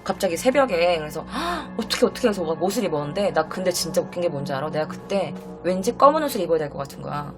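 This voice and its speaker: A young woman from South Korea hosting a live stream, telling a personal ghost story in an emotional, halting way, with many restarts. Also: low-pitched, lively intonation. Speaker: host. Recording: faint music under the voice.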